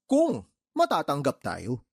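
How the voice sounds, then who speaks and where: A man acting a playful, teasing younger friend in a radio drama, boastful and quick to joke. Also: a little high, huge pitch swings, gravelly, heavily acted. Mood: joking. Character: joking loyal younger male buddy, playful.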